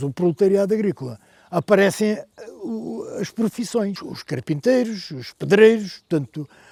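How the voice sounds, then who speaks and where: A man talks at a fairly slow pace in a dark, mellow tone. The sound is dry and close, with no echo. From Portugal, Alentejo (Couço, Coruche area). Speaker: former political prisoner. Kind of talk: testimony. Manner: halting, many fillers.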